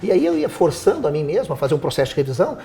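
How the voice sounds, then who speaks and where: A man who teaches, a guest on a podcast, giving practical advice in a casual, animated way with rhetorical questions. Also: on the high side, racing.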